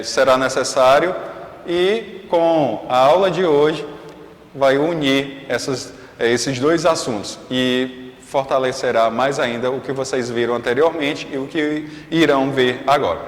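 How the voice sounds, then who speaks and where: A man teaching a recorded online grammar class, peppering his explanation with hesitant fillers and frequent check-ins asking if students follow. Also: medium pitch. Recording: echoey room with long reverb.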